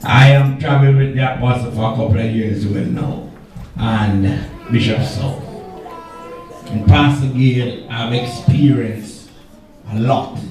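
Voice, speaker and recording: Over music in the background and audible room echo, a man talks at a fairly slow pace with fairly even intonation and long, frequent pauses. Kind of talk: church testimony. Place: church.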